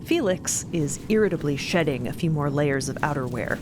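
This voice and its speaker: A woman's voice: sits low, lively intonation, normal speed, background noise. A woman narrating a scripted fiction podcast in a conversational, storytelling style.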